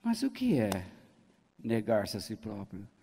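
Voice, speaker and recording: A man's voice: fairly low pitch, wildly swooping pitch, measured pace, vocal fry, warm tone, husky. A man preaching a sermon as pastor, in a folksy way, joking and acting out the people he quotes. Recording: long hall reverb.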